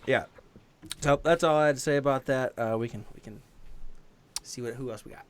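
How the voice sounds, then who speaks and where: A man chatting casually as a player on a tabletop game podcast, in a halting, rambling way. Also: medium pitch. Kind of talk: casual chat.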